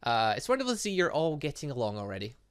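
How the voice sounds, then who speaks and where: A man's voice: mid-range voice, huge pitch swings, fast talker, clean tone. A man doing let's-play commentary, reading visual novel dialogue aloud with jokey asides and frequent stumbles. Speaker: gaming video host.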